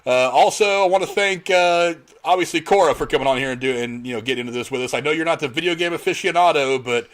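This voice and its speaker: A man's voice: on the high side, fast, hardly any pauses, a bit bright. A man hosting a casual panel podcast in a chatty, conversational way. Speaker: podcast host.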